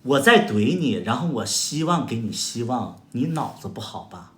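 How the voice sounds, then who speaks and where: Sing-song and a little bright, his mid-range voice moves at a moderate clip as this Heilongjiang livestream host, speaking with a Northeastern Mandarin accent, swats at viewer comments. His casual replies are sarcastic and combative, laced with exaggerated exclamations, and the room around him echoes.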